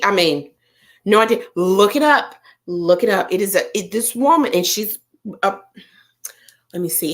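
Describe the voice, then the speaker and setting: Southern woman hosting a chatty livestream, expressive delivery with a wide pitch range, animated storyteller. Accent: Southern American. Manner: animated storyteller, talks straight to viewers, frequent fillers. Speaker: livestream host chatting with viewers. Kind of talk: casual chat.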